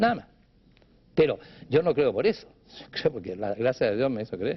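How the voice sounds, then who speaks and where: Very wide pitch swings and a fairly quick pace from a male speaker. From Chile. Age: 70s. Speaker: philosopher. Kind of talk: interview. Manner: halting.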